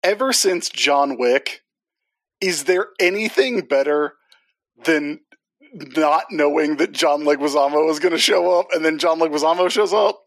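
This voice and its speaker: A man's voice: on the high side, unhurried, fairly bright tone, dry recording. A man co-hosting a casual movie podcast who jokes and makes dry asides. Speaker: podcast co-host.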